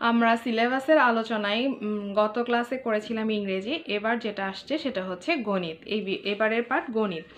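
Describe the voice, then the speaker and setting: Patient, fairly high-voiced woman teacher. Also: fairly bright tone. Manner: patient, repeats numbers slowly and clearly. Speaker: kindergarten teacher. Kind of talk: online class lesson.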